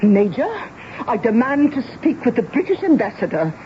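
A woman's voice: fairly high pitch, very animated, normal speed, muffled recording. An imperious British noblewoman, pompous and demanding. It is a radio play in a dulled old recording with faint noise behind. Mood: haughty. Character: haughty, imperious British aristocratic lady. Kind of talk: radio drama acting.

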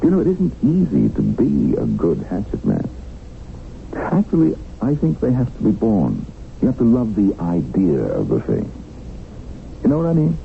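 A man's voice: on the low side, huge pitch swings, moderate pace, vocal fry, soft background music, full character voice. An actor playing a wry, unflappable businessman held hostage in a 1970s radio drama, sardonic, genial and probing. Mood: expansive, sardonic. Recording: muffled, noisy 1970s radio broadcast.

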